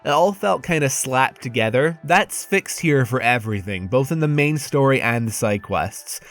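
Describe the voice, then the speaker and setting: A man's voice: mid-range voice, expressive, moderate pace, fairly bright tone, faint music behind. A man narrating a scripted video game review in a conversational, candid and wry manner.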